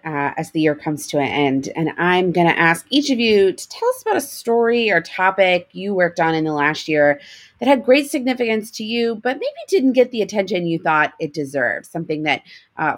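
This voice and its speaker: A woman hosts a reporters' roundtable, putting questions to the panelists and steering the discussion between topics. Her voice sits a little low for a woman. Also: very animated, moderate pace. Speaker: moderator. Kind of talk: panel moderation.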